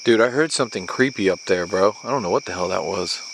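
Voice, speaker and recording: A man's voice: low-pitched, fast talker, background noise. A man talking casually as an adventure vlogger, recorded outdoors at night in the jungle. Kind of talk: casual hushed talk to camera and companion while night camping. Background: crickets and insects.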